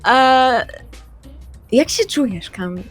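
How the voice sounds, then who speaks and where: A woman's voice: high-pitched, expressive, slow pace, slightly rough, soft background music, voice pushed up, exaggerated voice. A woman playing an evasive, harried young woman in a roleplay session, hesitant but urgent as she manages others. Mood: uneasy. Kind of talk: improvised tabletop roleplay acting.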